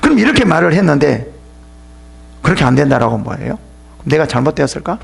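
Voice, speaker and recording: A man's voice: a little high, sing-song, fast, gravelly, slightly rough. A man pastor giving an emphatic sermon at a church seminar, addressing listeners sharply and sometimes dropping into a whisper.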